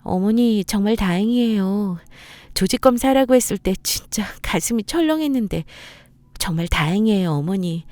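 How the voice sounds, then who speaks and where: A woman's voice: mid-range voice, animated, moderate pace, mellow, no echo, voice pushed up, close to an everyday voice. A woman voicing a young, fawning daughter-in-law in a radio drama, speaking in a sugary, ingratiating way.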